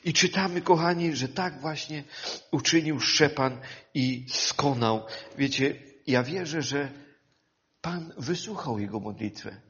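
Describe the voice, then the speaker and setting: Male preacher, slow deliberate delivery, fervent swells and hushed asides, muffled lo-fi recording. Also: a little high, a little hiss or hum. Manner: swings between loud fervent passages and quiet hushed ones; addresses listeners as "kochani". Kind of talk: sermon. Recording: dull lo-fi sound.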